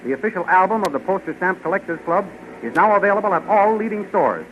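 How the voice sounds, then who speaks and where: A man's voice: high-pitched, lively intonation, quick pace. A man announcing and narrating a 1930s radio adventure serial in a scripted promotional style. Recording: noisy, dull 1930s radio recording.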